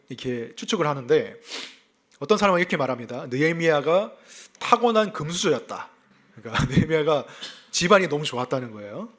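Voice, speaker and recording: Male pastor, from South Gyeongsang, sermon with personal anecdotes, rather high voice, very lively intonation. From South Gyeongsang, South Korea. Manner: asks the congregation rhetorical questions.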